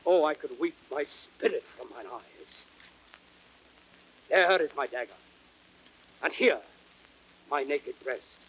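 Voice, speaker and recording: A man's voice: fairly high pitch, slow, pauses often, fairly bright tone. An actor playing a passionate, wounded, hot-tempered Roman nobleman, declaiming verse in a classical Shakespearean audio drama. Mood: anguished, defiant. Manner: impassioned, declamatory theatrical verse delivery. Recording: dull, noisy vintage drama record.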